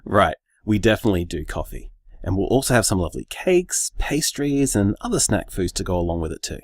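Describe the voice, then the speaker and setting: An actor playing an earnest gay bar co-owner in a radio drama interview, with an Australian accent and an articulate, measured manner. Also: male voice, sits low, sing-song, no echo, clean studio sound, full character voice.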